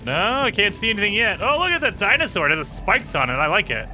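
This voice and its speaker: A man hosting a gaming channel, chatting casually through gameplay, his voice a bit raspy and hoarse today. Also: high voice, big pitch swings, fast, sharp tone, soft background music. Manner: chatty, talks to viewers while playing. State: slightly hoarse.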